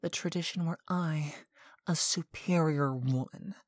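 Low-voiced woman doing a slow bossy hypnotist mistress thing, sweet but stern, drops into breathy whispers. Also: no room sound. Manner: commanding, slow, deliberate, with breathy whispered phrases. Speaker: hypnosis performer playing a mistress. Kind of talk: scripted hypnotic roleplay monologue.

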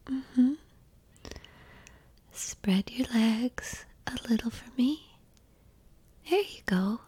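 A woman whispers very slowly in a breathy, mellow voice, soft and coaxing throughout. The sound is close and dry, with no room around it. She keeps her tone steady and reassuring in an intimate roleplay. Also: on the high side, no echo.

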